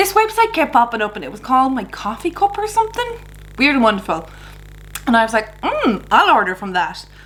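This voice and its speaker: Over noticeable background noise, a woman with an Irish accent talks at a fairly quick pace in a high, animated voice, with very wide pitch swings and big swings in loudness. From Ireland. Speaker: beauty YouTuber. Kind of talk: makeup tutorial, casual chat to camera.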